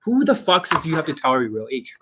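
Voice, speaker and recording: A brash, boastful man hosts informal coaching for online viewers, his slightly rough, husky voice running high and fast with big pitch swings. He swears emphatically and acts out mock exchanges, with background noise behind him.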